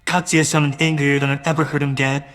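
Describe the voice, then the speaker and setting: A man's voice: on the high side, flat delivery, fairly quick, fairly bright tone. Man narrating a first-person drama.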